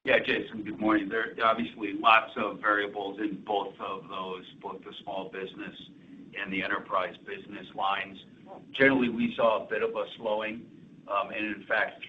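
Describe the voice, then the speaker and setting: A man speaking as a company executive, giving measured financial commentary on an earnings call. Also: lowish voice. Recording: noisy, thin phone-line sound.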